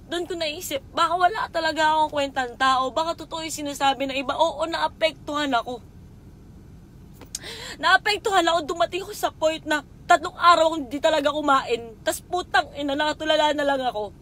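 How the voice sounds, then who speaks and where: A young woman vlogger with a high, sharp voice delivers an emotional confessional monologue. She speaks directly to someone, raw and emotional, swearing as she goes.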